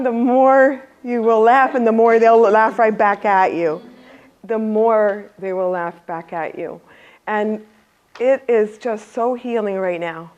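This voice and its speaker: Lively woman leading a live workshop. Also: fairly high pitch, dull audio. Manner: lively, laughs often, asks the audience questions. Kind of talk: motivational talk to a live audience.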